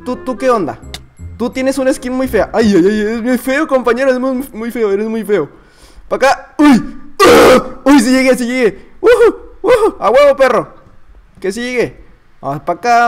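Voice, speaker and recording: A man with a Mexican accent voicing a naive, boastful little boy, chattering excitedly through comedic gameplay commentary. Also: high-pitched. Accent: Mexican Spanish. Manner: childish, excitable, chattering to himself. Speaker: gamer.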